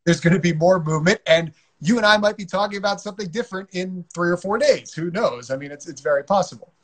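A man hosting a casual hockey podcast with a fairly high voice. He breaks down the game in a steady, measured way. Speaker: podcast host.

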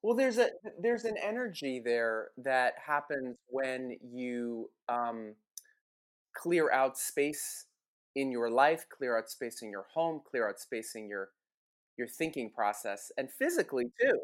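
An interviewer who asks questions in a reflective, unhurried way. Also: mid-range voice, sing-song. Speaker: interviewer, host.

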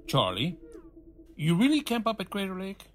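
A man's voice: high-pitched, wildly swooping pitch, normal speed. An actor in an audio drama playing an obliging but wary hunting-shop salesman with a polite sales manner.

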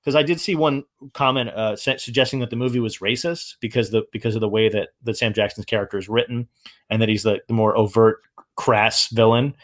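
Halting man in casual film talk. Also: on the low side. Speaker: film discussion host. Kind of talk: casual film commentary chat.

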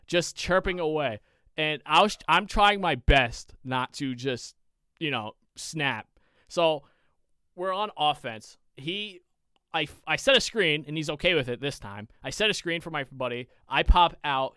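A young man co-hosting a podcast, telling a long story in a casual, animated, profane way with many restarts. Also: a little high, unhurried, clear, resonant tone, no room sound, studio quality. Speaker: podcast co-host.

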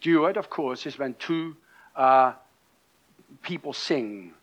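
A man's voice: medium pitch, animated, slow, fairly bright tone, highs cut off. A middle-aged man from Austria with a German-accented English, preaching a conversational sermon with many fillers and restarts. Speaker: pastor.

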